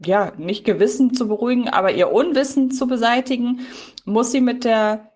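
A woman's voice: a little high, normal speed, a little mellow. A woman co-hosting a podcast in casual discussion, speaking in wordy, circling sentences. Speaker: podcast co-host. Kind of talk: casual podcast discussion of an audio drama episode.

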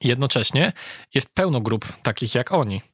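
A man, a travel reporter, chatting in an interview in a relaxed way with hesitant fillers. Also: mid-range voice, moderate pace, slightly rough, no room sound, studio quality. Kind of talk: casual interview chat.

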